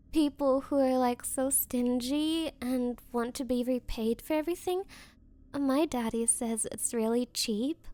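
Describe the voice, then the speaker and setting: A woman's voice: sits high, dark tone, no room sound. A woman playing a spoiled, possessive rich young girlfriend in an ASMR roleplay, speaking with haughty, coaxing false patience. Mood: sweetly possessive.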